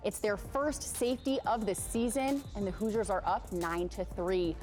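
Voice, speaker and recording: A woman's voice: mid-range voice, expressive, moderate pace, a little mellow, soft background music. A woman with an American accent reading a scripted sportscast as anchor.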